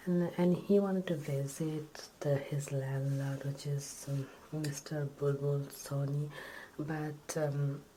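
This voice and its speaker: A woman telling a story in ASMR style, in a breathy whisper, halting between short phrases. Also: deep voice, fairly even intonation, background noise.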